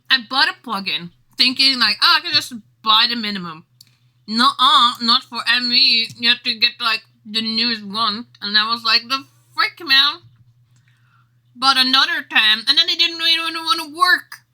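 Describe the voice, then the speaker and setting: A woman's voice: high voice, bright, forceful tone, rough recording. A woman livestreamer chatting casually with her viewers in a rambling, exclamatory way. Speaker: livestreamer and game developer.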